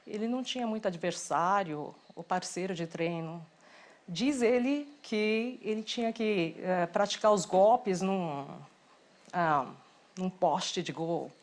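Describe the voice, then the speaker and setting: A woman's voice: on the low side, takes it slowly. A woman retelling secondhand stories with fillers in a documentary interview.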